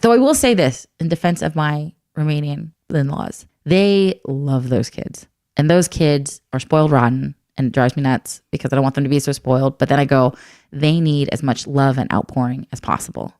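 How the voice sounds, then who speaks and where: A woman's voice: low-pitched, fairly quick, a little mellow, no room sound, studio quality. A woman in her forties co-hosting a podcast, talking candidly and reflectively in casual chat. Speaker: podcast co-host. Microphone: podcast studio mic.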